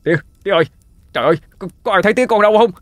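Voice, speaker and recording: A man's voice: sits low, expressive, normal speed, a bit bright, no room sound. A man with a Southern Vietnamese accent voicing a weary middle-aged village barber father, wry and grumbling. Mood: panicked. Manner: wry, grumbling, turning frantic.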